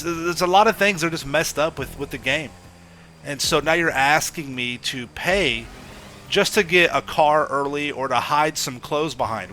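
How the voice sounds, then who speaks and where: Stuffy-voiced man with a bright tone. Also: medium pitch, a little hiss or hum. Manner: blunt, repeats "okay?" and "right?" to the audience. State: stuffy from a head cold. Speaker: gaming YouTuber. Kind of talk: casual opinion monologue to camera.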